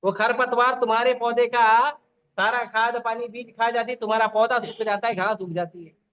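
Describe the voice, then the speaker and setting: A man's voice: extremely high pitch, steady tone, normal speed, lo-fi sound. A man giving a lecture on scripture, asking the audience rhetorical questions and repeating lists of examples. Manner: repetitive listing. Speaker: preacher. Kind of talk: Gita lecture.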